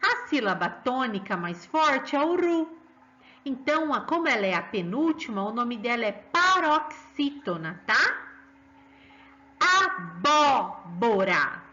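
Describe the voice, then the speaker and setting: A woman's voice: high voice, very animated, a little slow, pushed and bright, muffled recording. A woman with a Brazilian Portuguese accent teaching a children's lesson, sing-song and coaxing, drawing out stressed syllables.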